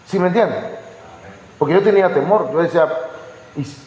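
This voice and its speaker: A male pastor gives a testimony sermon, telling his story with lively acted-out dialogue. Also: a little high, a little fast. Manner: animated storytelling, acts out quoted dialogue. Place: church hall. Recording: echoey church hall with long reverb.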